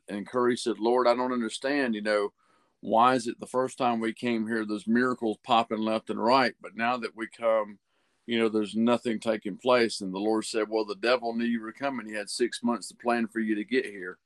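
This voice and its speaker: A man's voice: medium pitch, steady tone, normal speed, dry recording, studio quality. A man co-hosting a Christian podcast, talking earnestly and loosely with many fillers. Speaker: podcast co-host. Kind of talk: casual faith chat.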